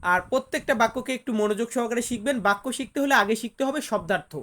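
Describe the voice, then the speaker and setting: Lady teaching phrases online, patient, says each one twice, slightly high voice. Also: fairly bright tone. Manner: patient, repeats each phrase slowly to drill it. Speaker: language teacher. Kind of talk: online language lesson.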